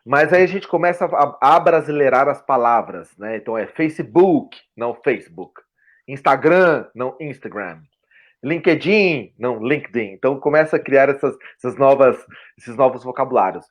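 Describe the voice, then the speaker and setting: A middle-aged man with a Brazilian Portuguese accent, interviewed as a guest, explaining in an animated way and acting out example phrases. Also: medium pitch, fairly quick. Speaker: guest, language school CEO. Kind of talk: conversational interview.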